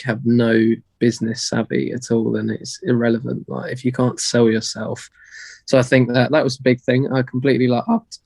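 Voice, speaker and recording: A young British man on a podcast, talking casually as a guest, hoarse and rambling with many fillers. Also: mid-range voice, a little mellow, no room sound. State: losing his voice. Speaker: guest magician.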